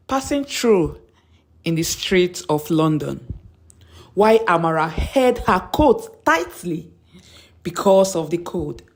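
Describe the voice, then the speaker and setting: A woman narrating a scripted story in a measured, dramatic storytelling manner. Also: on the low side, darkish tone, no echo.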